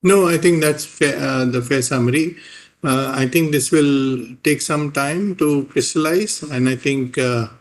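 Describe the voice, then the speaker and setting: Deliberate man, corporate executive. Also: mid-range voice. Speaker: company finance executive. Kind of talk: answering questions on an earnings call.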